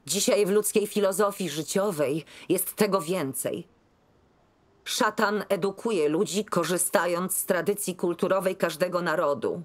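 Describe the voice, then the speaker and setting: A woman in a dubbed film, reading a religious passage aloud in a measured, solemn way. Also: lowish voice.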